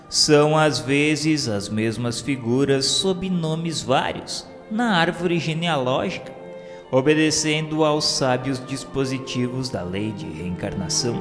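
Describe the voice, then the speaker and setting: Slow, solemn man narrating. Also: medium pitch. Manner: slow, solemn, measured reading. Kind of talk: scripted spiritist audiobook narration. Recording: long reverb with faint music bed.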